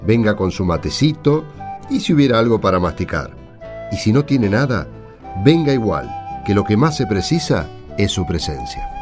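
Lively Argentine man announcing on radio. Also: fairly low pitch, normal speed, over music. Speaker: radio presenter. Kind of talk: scripted, folksy announcing.

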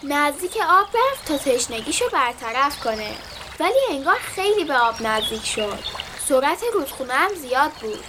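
A woman reading a children's story aloud in an expressive storytelling manner. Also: high voice, noisy background.

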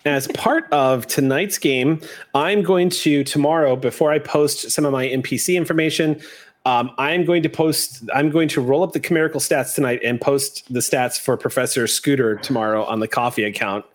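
A man's voice: mid-range voice, normal speed. A man speaking as game master, chatting casually and praising his players effusively as he wraps up a tabletop game. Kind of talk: casual wrap-up talk after a tabletop game.

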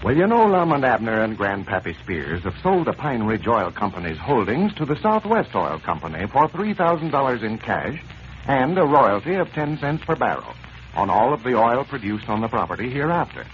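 A man announcing on a 1930s radio show, with a smooth, emphatic sales delivery and a recap of the story. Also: mid-range voice, big pitch swings, normal speed. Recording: old lo-fi radio transcription with hiss.

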